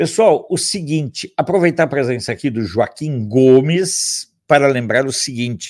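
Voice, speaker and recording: A man speaks in an animated tone with lively intonation. The background is quiet. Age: 60s. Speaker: political live-stream host. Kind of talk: casual live-stream commentary. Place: home room. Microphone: webcam.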